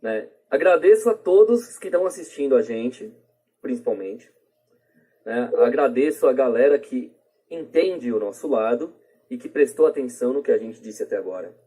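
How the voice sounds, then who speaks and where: A man's voice: medium pitch, lively intonation, normal speed, mellow, breathy edge. A Brazilian man talking casually as a podcast guest, hesitant and peppering his sentences with tag words. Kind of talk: casual discussion.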